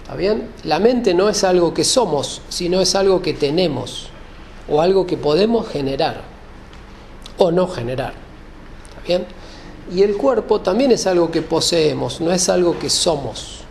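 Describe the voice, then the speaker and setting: High-pitched, creaky-voiced man lecturing. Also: animated, moderate pace, darkish tone, slight background noise. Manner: didactic, rephrases and checks understanding. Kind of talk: explanatory lecture to an audience.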